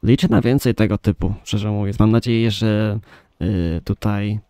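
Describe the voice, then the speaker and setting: Mellow, low-voiced Polish man. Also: smooth, no room sound, clean studio sound. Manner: informal, mild swearing. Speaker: gaming video host. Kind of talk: casual let's play commentary.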